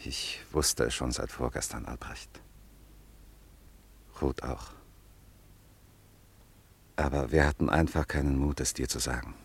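Very deep, gravelly loyal friend. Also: male voice, steady tone, heavily acted. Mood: gently consoling. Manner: measured, consoling. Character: deep-voiced loyal French friend, calm and reassuring. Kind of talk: German radio drama acting.

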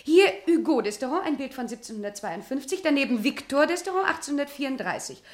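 A female servant of a grand house in a crime radio play. Her voice sits high, and she speaks with ceremonious, haughty formality, as if instructing an ignorant visitor. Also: lively intonation, quick pace. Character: formal, snobbish female villa servant showing visitors around.

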